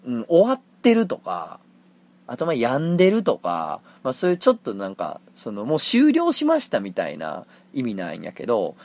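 A man with a Kansai accent talking casually on his own podcast, reading listener mail and often acting out quick exchanges. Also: medium pitch, no room sound. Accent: Kansai Japanese. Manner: animated, jumps into acted quotes. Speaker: podcast host. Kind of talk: casual solo talk radio.

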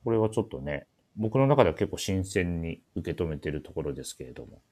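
A man with a very deep voice hosts a menswear shop's radio show. He introduces clothes in a casual but polite way. He often hesitates and thinks aloud as he goes. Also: sing-song, fairly quick, darkish tone.

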